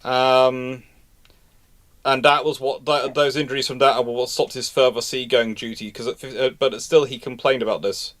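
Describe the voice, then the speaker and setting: A man's voice: medium pitch, little pitch movement, moderate pace, fairly bright tone. A man hosting a casual live history discussion, telling stories emphatically in a rambling, self-correcting way. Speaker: livestream host and naval historian.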